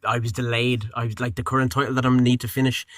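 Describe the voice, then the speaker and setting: A man's voice: mid-range voice, flat delivery, fast, no echo, studio quality. A man working as a voice actor and narrator, chatting casually in an interview, rambling with many fillers and restarts.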